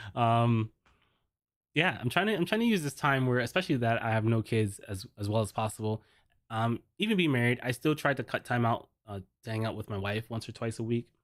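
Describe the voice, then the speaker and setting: The speaker uses ordinary pitch variation at a fairly quick pace. The recording is very clean with a silent background, and the sound is dry and close with no echo. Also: man, medium pitch for a man. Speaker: rideshare driver and podcast host. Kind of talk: live-stream podcast chat. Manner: fast; casual, halting with repetitions.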